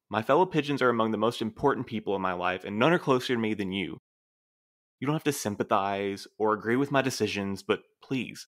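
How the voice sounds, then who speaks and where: A man playing a formal, dry, dutiful postmaster in an audio drama, reserved and earnest with measured, precise wording. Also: medium pitch, fairly bright tone, close to an everyday voice. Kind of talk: scripted audio drama acting.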